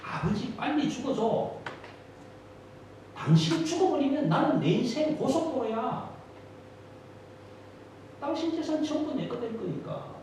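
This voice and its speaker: Give me a male preacher acting out a greedy, defiant young son shouting in a high voice, echoing far off in a big church hall. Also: animated, measured pace, pauses often, slight background noise. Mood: callous. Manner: shouting, high-pitched and insolent. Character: defiant, greedy young prodigal son demanding his inheritance. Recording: booming echo in a large church, from a distant mic.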